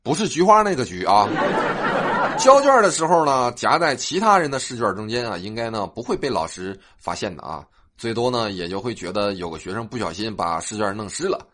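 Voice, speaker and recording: A young man, hosting a comic storytelling monologue with a sing-song delivery and drawn-out particles. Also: lowish voice, sing-song, a bit bright. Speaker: host.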